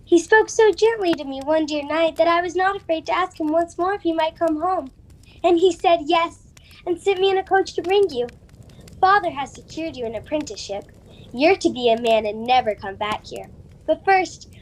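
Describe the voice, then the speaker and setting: A woman's voice: very high voice, normal speed, slight background noise, poor audio. A woman voicing a loving, eager little sister in a radio play, sweet and earnest. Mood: eager, affectionate. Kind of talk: dramatic radio play acting.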